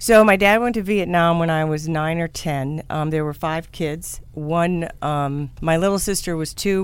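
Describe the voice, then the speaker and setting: With an unremarkable speaking voice, a woman talks at a fairly slow pace, her fairly low pitch held in fairly even intonation. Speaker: games company co-founder. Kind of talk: interview.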